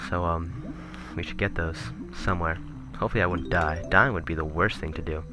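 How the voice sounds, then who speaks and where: Over background game music, a deep-voiced man delivers rambling let's play commentary, fairly quick and steady in tone. He keeps self-correcting and chuckling on the side, and his voice is turning raspy.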